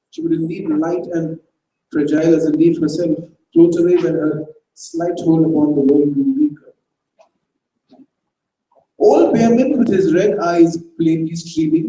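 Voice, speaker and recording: A man reading a short story aloud on stage in a dramatized reading, with measured storytelling. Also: a little high, mellow, a little hiss or hum. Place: festival stage, hall. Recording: echoey hall from far off.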